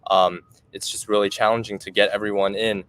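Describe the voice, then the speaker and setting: A young man moderates an online panel, affirming each speaker and hesitating with frequent fillers. His voice is low and deep. He speaks in a fairly flat line. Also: brisk, rough recording. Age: young adult.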